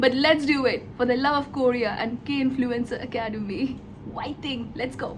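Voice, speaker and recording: A woman's high pitch, fairly even intonation and moderate pace, with noticeable background noise. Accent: Bengali. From India, West Bengal (Kolkata). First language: Bengali. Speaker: beauty and lifestyle vlogger. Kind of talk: casual vlog chat. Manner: casual, filler-heavy.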